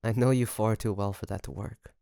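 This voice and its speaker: A man playing an obsessive, doting kidnapper best friend in an intimate audio roleplay, creaky, coaxing and teasing with soft menace. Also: lowish voice, steady tone, no echo, studio quality, lightly acted. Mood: coaxing, smug. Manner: softly menacing, coaxing, teasing, with drawn-out phrases.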